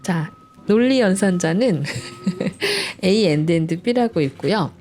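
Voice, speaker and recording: Speaking very slowly in an animated, slightly mellow mid-range voice, a woman runs a screen-recorded coding lesson at home with faint music in the background. She is cheerful and playful, using effects like "짠짠짠," and patiently chats her way through each step.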